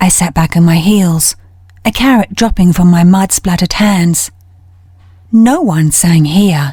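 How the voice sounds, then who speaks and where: Her tone dark and mellow and somewhat breathy, a woman speaks at a fairly slow pace in a medium pitch with lively intonation. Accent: British. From London, England. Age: 30s. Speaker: voice actor. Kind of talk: audiobook narration.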